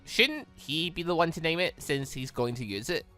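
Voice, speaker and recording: A host reading a visual novel aloud in an animated, rambling way, slipping between the script and off-the-cuff reactions. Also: medium pitch, moderate pace, soft background music. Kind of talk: lively read-along commentary with ad-libbed asides.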